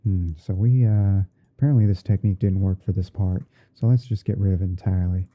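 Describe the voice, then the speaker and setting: A man playing a gentle, easygoing TV painting instructor in a halting, murmured ASMR livestream roleplay. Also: deep voice, steady tone, muffled recording. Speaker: livestream host. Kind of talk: ASMR roleplay livestream while editing images.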